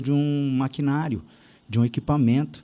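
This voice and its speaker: Captured on a very clean recording with a silent background, the voice has a dark, mellow tone and a moderate pace. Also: man. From Olímpia, São Paulo state, Brazil. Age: 60s. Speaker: physical education teacher and physiotherapist. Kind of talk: interview.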